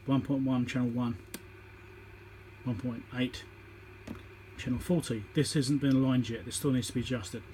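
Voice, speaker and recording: A man's voice: medium pitch, steady tone, moderate pace, long pauses, a little mellow, slight background noise, poor audio. A man giving an informal, matter-of-fact hands-on repair tutorial, thinking aloud as he works, recorded on a phone on a tripod. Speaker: electronics repairer demonstrating.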